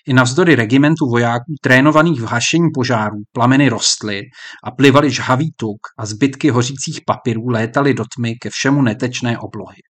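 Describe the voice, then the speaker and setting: A man reading a historical novel aloud as an audiobook narrator, measured and even, lifting his voice a little for the characters' lines. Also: medium pitch.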